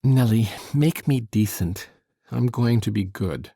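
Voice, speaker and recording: A sullen, brooding teenage boy, as a woman reader puts him on, with a deep, gravelly, husky voice. He talks slowly and sulkily, and the sound is close and dry. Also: expressive, warm tone, no echo, exaggerated voice. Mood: sulky. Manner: slow, gruff, low and sulky.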